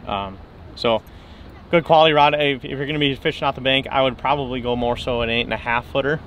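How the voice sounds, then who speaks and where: A man's voice: mid-range voice, fast, a bit bright, slight background noise. A young man, a fishing guide, explaining gear in a casual outdoor interview on a boat, with fillers and restarts.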